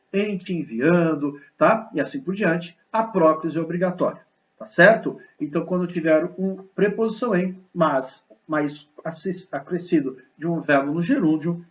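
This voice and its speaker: High-voiced male teacher explaining grammar. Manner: lively, explanatory, asks students rhetorical questions. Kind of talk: recorded grammar lesson. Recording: slightly dull lo-fi recording.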